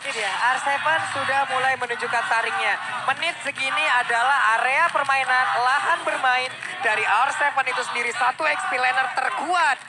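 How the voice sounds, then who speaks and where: An Indonesian man co-commentates a live esports match at a rapid pace. His voice sits over very loud background noise. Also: extremely high pitch, a loud crowd.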